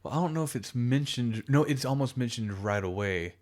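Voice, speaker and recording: A man co-hosting a casual gaming podcast, rambling and animated, often restarting his sentences. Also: medium pitch, fairly quick. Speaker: podcast co-host.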